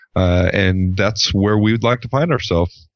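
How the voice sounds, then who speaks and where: Speaking at a moderate pace with fairly even intonation, a man has a plain, everyday voice pitched fairly low. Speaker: podcast co-host. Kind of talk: casual podcast chat.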